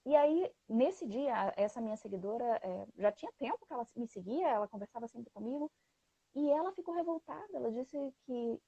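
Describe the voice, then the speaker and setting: A woman hosts a live stream, chatting and telling stories in a husky, mellow voice. Her audio sounds dry and muffled, as on a video call. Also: a little high, no echo. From Brazil. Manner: chatty, storytelling, laughs often. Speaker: host. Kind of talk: casual live-stream conversation.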